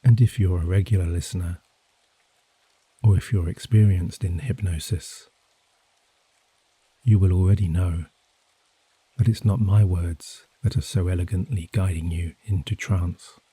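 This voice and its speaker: Very deep, dark, slow-speaking soft man. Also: steady tone, husky, no room sound. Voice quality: soft, hushed. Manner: soothing, measured, gently drawn-out phrasing. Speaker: hypnosis and meditation guide. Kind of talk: guided sleep hypnosis, soft-spoken. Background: gentle rain sounds.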